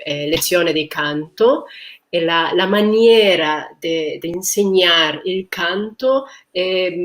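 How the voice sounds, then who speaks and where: A woman from Argentina, a native Spanish speaker, answers on a panel in halting Italian with an Argentine Spanish accent, searching for words. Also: on the low side. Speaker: guest musician at a panel on choral singing.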